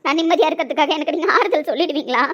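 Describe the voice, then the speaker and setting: Woman as a high-pitched young heroine, desperate and hurt, pleading and insistent; emotional audio drama. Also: racing, a bit bright, dull audio. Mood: reproachful. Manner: pleading, repeats herself insistently. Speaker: lead character in an audio drama.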